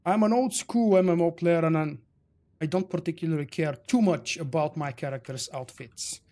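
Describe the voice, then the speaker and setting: Bulgarian-accented male streamer, chatty, answers chat; voice a little high. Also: normal speed, warm tone. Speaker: game streamer. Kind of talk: casual live-stream chat.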